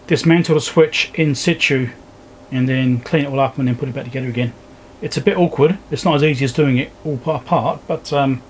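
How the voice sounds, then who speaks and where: A man giving casual, low-key commentary as he works, thinking aloud step by step like a repair video host. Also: slight background noise. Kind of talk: casual hands-on commentary while working. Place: indoor repair workbench.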